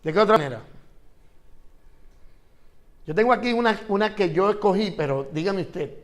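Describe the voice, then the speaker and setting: A man's voice: high-pitched, expressive, normal speed. A man teaching an interactive Bible class, asking his students questions and repeating phrases for emphasis.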